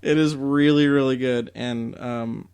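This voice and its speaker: A man's voice: medium pitch, fairly even intonation, unhurried, creaky, a little mellow, clear, resonant tone. Chatty young man gushing about games. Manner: enthusiastic, laughs often, many fillers. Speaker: podcast co-host. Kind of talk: casual chat about video games.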